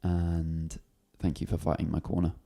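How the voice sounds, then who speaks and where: A man's voice: very deep voice, completely flat delivery, gravelly, dark tone. A man in his twenties, chatting casually and jokily as the channel host. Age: 20s. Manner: chatty, joking, fast. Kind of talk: casual Q&A chat.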